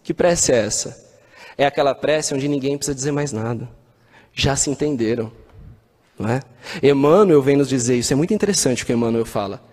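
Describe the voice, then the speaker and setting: A man's voice: mid-range voice, brisk, darkish tone. A man with a Brazilian accent giving a spiritist talk, telling stories and asking the audience rhetorical questions. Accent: Brazilian Portuguese. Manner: storytelling, acts out quoted voices, rhetorical questions. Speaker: spiritist lecturer. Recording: long hall reverb.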